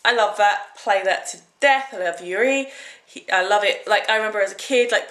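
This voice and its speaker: A woman's voice: mid-range voice, fairly bright tone, roomy sound, rough recording. A young British woman in her twenties, chatting casually and rambling through a haul vlog. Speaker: vlogger.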